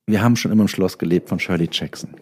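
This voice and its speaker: A man with a soft, dark, fairly low voice. He chats casually as an interview guest, often pausing to search for the next word. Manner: hesitant, searching for words as he goes. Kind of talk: casual chat.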